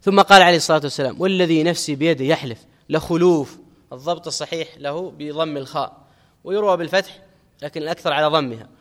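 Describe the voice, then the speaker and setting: Man, middle-aged, religious scholar, teaching lesson, quotes scripture, repeats key phrases, rapid delivery, long hall echo. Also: on the high side, fairly bright tone. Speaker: Islamic scholar teaching hadith commentary. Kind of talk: religious lesson, explaining a text.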